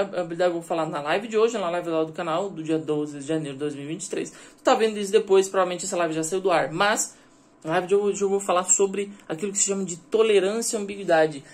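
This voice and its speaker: Man, language vlogger, relaxed conversational delivery with frequent check-ins. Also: high-pitched. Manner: chatty, checks in with the listener often. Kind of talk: casual educational vlog.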